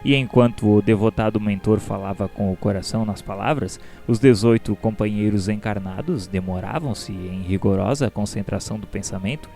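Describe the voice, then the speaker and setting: Guy playing a earnest brazilian man telling his story in a radio drama, formal n measured, lowish mellow voice. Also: gravelly. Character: André, earnest, curious male spirit narrator and pupil. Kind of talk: scripted radio drama narration. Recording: music behind the voice.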